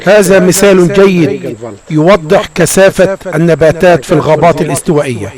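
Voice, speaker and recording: Narrating a travel documentary, the Egyptian man uses a notably high-pitched voice and careful, formal phrasing like a written script. Crowd noise and a clear mix of many other voices and sounds fill the background.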